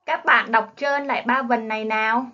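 A primary school teacher with a Southern Vietnamese accent coaxes young children to repeat after her while teaching them to read through phonics. Her fairly high voice has a steady, sharp tone at a normal speed. The audio is dull and lo-fi, taken from a classroom video.

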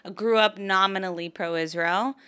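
A woman's voice: mid-range voice, fairly even intonation, moderate pace, fairly bright tone, clean tone. An American woman in her thirties, an interview guest casually telling personal stories. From Los Angeles, United States. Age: 30s. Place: small home-style studio, indoors. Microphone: close handheld microphone.

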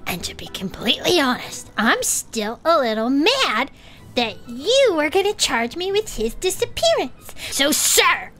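A woman playing an excitable, protective brawler in a tabletop audio drama, earnest and blunt. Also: high voice, measured pace, soft background music, exaggerated voice. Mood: stern, threatening.

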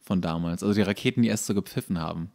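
A man's voice: low-pitched, rapid-fire, creaky, darkish tone. A man co-hosting a podcast, telling anecdotes in casual, colloquial, self-correcting speech. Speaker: podcast co-host.

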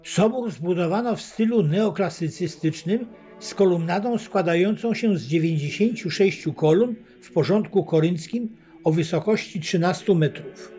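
A man giving a scripted travel narration as a voice-over, reading facts and figures in a measured, even way. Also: high-pitched. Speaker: documentary narrator. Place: voice-over, not recorded at the pictured site. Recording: dull lo-fi voice-over with faint choir music.

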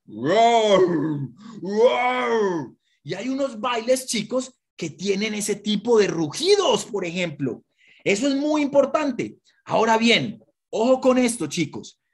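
A woman giving a lively lesson to children, asking them questions and having them repeat words. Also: fairly high pitch, husky. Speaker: children's history presenter.

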